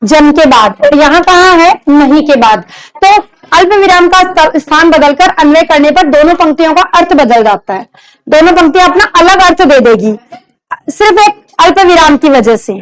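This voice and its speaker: A woman's voice: sits high, lively intonation, normal speed, poor audio. A woman teacher giving a classroom lecture on grammar, explaining step by step, repeating examples and putting questions to her students.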